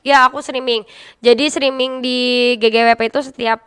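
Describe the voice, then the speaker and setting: A young woman talks as a podcast guest in a high, bright voice. She is chatty and blunt and laughs easily, and her tone stays smooth and clear throughout. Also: fairly even intonation, normal speed. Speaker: guest, esports caster and streamer. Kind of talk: casual podcast interview.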